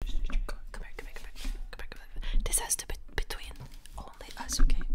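At a moderate pace, a woman whispers. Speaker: streamer. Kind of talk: ASMR. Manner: whispered, soft-spoken. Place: home room. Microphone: studio mic.

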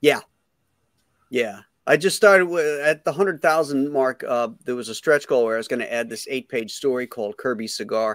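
A man speaks at a moderate pace in a normal speaking voice, his pitch fairly high with lively intonation. The sound is dry with no echo over a quiet background. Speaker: comic artist. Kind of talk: casual chat. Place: home room.

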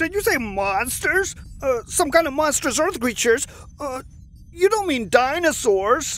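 The speaker uses a cartoonish character voice. The pace is moderate. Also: man, extremely high pitch for a man. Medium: puppet. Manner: worried, excitable.

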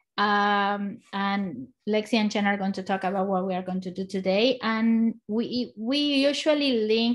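Fairly slow pace, ordinary pitch variation, and a quiet background. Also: woman. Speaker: nonprofit program organizer. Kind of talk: meeting host remarks. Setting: video call. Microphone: video call.

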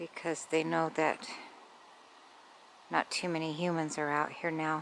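Fairly slow and monotone with flat intonation, a woman's very deep, low voice comes through dry with no echo over light background noise. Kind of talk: casual vlog chat. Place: forest. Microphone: phone near.

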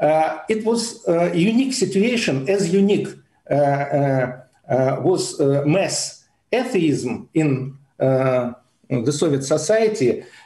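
A man speaks very slowly, his pitch fairly high and swinging very widely, his tone dark and mellow. There is audible room echo over a quiet background. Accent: Russian. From Russia. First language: Russian. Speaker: professor, philosopher. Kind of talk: academic discussion. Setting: video call. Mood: calm, reflective. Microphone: video call.

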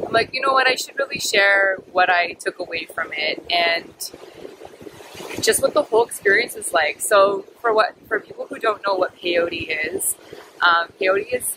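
Background noise is noticeable behind a woman speaking at a fairly slow pace. Her loudness rises and falls sharply. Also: dry sound with no echo. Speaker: vlogger. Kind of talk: casual vlog chat. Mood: relaxed, reflective. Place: beach. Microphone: earbuds.

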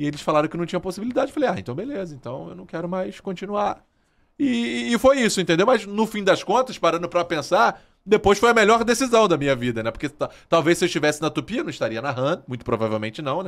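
Very fast and high-pitched, a man's speech shows very wide pitch swings and big swings in loudness. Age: 20s. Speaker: sports radio narrator and presenter; podcast guest, sports narrator. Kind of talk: casual podcast interview. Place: studio. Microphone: studio mic.

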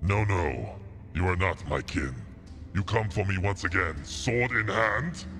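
A man's put-on character voice, very deep and low, at a fairly slow pace, with clear music in the background. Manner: fearful, accusatory.

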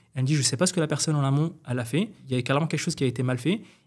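A somewhat breathy man at a very fast pace, fairly high in pitch with ordinary variation, over a quiet background. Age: 30s. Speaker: Amazon seller, entrepreneur; Amazon seller. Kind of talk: interview. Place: studio. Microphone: studio mic.

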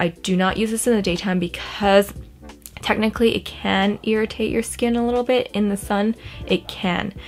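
Faint music sits in the background as the speaker goes at a moderate pace with fairly even intonation. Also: woman, medium pitch for a woman. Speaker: beauty YouTuber. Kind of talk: casual talk to camera. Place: home room. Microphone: camera far.

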